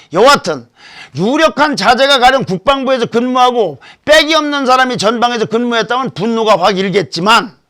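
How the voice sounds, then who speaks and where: A man's voice: high-pitched, a bit bright. A man hosting a political commentary show, talking emphatically and posing rhetorical questions into a studio microphone.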